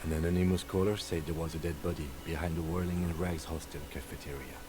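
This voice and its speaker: A man voicing a calm, methodical police lieutenant who briefs his partner in a measured, matter-of-fact way. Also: low-pitched, close to an everyday voice.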